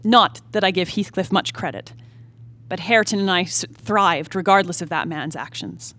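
A woman performing a brooding young married woman in a stage play reading, with formal literary diction and dramatic pauses. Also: fairly low pitch, fairly bright tone, lightly acted. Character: brooding young married woman haunted by her family's past. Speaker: actor. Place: theatre stage, live reading.

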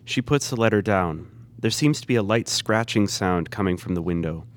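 A man's voice: fairly low pitch, lively intonation, moderate pace. A man reading stage directions as a plain, descriptive narrator at a live play reading.

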